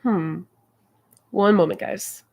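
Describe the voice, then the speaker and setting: A woman coach hosts a live Q&A stream, chatting in a friendly, casual way packed with fillers, sounding a little stuffy and nasal from a cold. Her medium-pitched voice is steady, slow, creaky, a little mellow, with a breathy edge.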